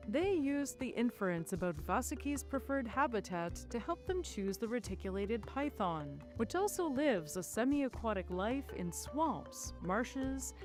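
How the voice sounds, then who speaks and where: A woman reading scripted educational science narration in a clear, explanatory manner, as a video narrator. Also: a little high.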